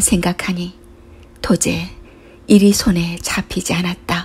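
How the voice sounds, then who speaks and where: The delivery is dramatic in tone and very slow in pace. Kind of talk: audiobook reading of a literary short story.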